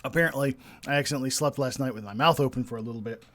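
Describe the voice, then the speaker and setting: Talking very fast in a medium-pitched, fairly bright voice, a young streamer with a slightly sinusy sound offers casual commentary on his game. He muses aloud and throws wry remarks to chat while game music plays underneath.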